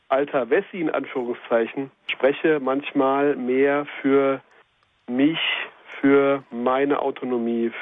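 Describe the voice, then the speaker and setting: A man from Hesse, calling in to a radio show and speaking in a thoughtful, measured way. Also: mid-range voice, no room sound. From Hesse, Germany. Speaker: caller. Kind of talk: phone-in comment. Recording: tinny phone line.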